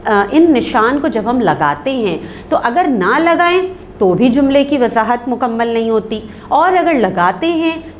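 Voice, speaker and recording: A woman teacher with a Pakistani Urdu accent giving an online class lesson, explaining slowly and reading examples aloud with stretched words. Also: a little high, slight background noise.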